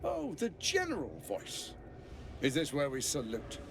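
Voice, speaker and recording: An actor playing a suave, sardonic scheming tyrant in a video game, with polished, goading delivery. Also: male voice, a little high, wildly swooping pitch, a little slow, creaky, full character voice. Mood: mocking. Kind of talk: video game villain acting. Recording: loud background noise.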